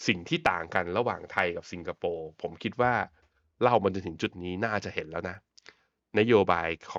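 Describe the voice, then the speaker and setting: The background is quiet. Pitch varies an ordinary amount. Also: man, very deep, low pitch for a man. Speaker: podcast host on economics and investing. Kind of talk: solo podcast monologue. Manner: casual, conversational.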